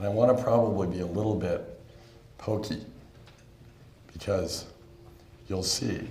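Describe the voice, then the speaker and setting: Through audible room echo, a man talks at a moderate pace and fairly low pitch with fairly even intonation and long, frequent pauses. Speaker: architect and author giving a lecture. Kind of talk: lecture.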